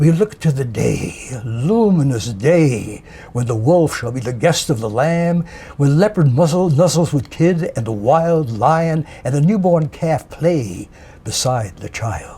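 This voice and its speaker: Over noticeable background noise, a man speaks at a fairly slow pace. His pitch is fairly high and his intonation lively. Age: 90s. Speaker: Jesuit priest and poet. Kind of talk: poetry reading. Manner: halting.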